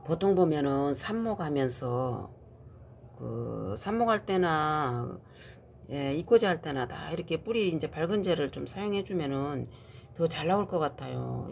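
A woman's voice: low-pitched, gravelly, a little mellow, a little hiss or hum. A woman hosting her own plant-care vlog, chatty and often exclaiming in delight. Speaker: channel host.

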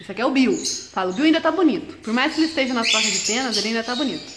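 A woman's voice: fairly high pitch, animated, rapid-fire. A young woman chatting casually about her pet parrots, scolding them playfully, in an indoor bird room. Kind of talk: casual chat to camera. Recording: echoey room, loud bird noise. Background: loud parrot squawks and chirps.

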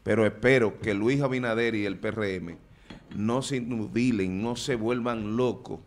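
A man's voice: on the low side, a little slow. A middle-aged man with a Dominican accent in a heated political panel discussion, speaking into a desk microphone in a TV studio. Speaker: political panelist and council candidate.

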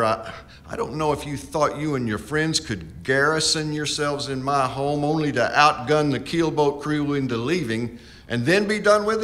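An actor playing a principled frontier justice of the peace in a radio drama, speaking formally and deliberately. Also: male voice, medium pitch, fairly bright tone, lightly acted. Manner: formal, deliberate, lawyerly questioning.

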